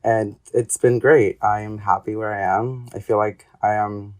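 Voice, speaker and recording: A man's voice: fairly low pitch, little pitch movement, normal speed, a little mellow. Rambling young man from Ecuador. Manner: hesitant, rambling, many fillers. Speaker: guest, artist and graduate student. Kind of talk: casual interview talk.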